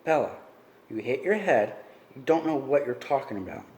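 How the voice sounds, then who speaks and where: A cold, guarded teenage boy , read out by a man in a mellow, everyday voice, snaps back short, dismissive answers. The reading echoes in a roomy space. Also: medium pitch, animated, normal speed, close to an everyday voice. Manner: clipped, cutting replies.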